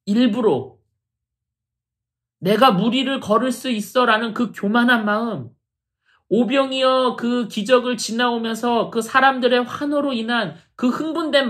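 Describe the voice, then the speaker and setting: A middle-aged woman pastor preaching a sermon in an earnest, emphatic way, often addressing the congregation directly. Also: a little high.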